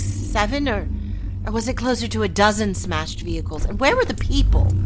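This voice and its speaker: An actress playing a determined woman doctor who also narrates, with an urgent, caring manner that stammers under stress. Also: medium pitch. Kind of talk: radio drama acting and narration. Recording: noisy radio-play track with effects.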